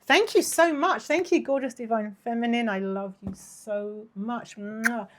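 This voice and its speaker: A woman's voice: on the high side, unhurried, a little hiss or hum. A woman in her thirties doing a casual tarot reading, gushing and affectionate, her voice worn and partly lost. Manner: gushing, affectionate, with frequent laughs. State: losing her voice. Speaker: tarot reader.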